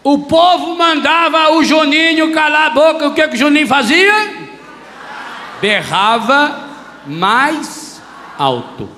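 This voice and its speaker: A Brazilian man with a Brazilian Portuguese accent, preaching a lively, humorous sermon as a priest and acting out voices, in a reverberant church hall. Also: extremely high pitch, takes it slowly, a little hiss or hum.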